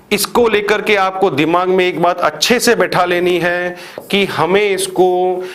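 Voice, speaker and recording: A man's voice: high-pitched, fairly bright tone. A man with an Indian accent teaching a grammar lesson for exam students, asking questions and answering them himself, repeating examples step by step. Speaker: English teacher for exam prep. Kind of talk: classroom lecture.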